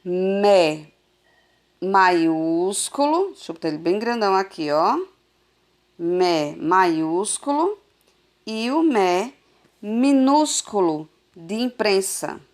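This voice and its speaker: Slow, patient woman teacher. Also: medium pitch, lively intonation. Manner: slow, patient, drawn-out syllables. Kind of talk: recorded adult literacy lesson. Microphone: phone.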